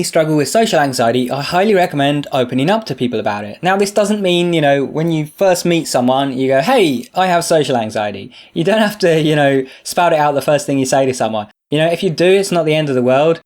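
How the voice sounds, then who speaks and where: A man's voice: fairly high pitch, darkish tone. Stuffy-nosed young man, earnest vlog. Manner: earnest, open, lots of fillers. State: stuffy from a sinus infection. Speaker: video creator. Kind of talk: casual talk to camera.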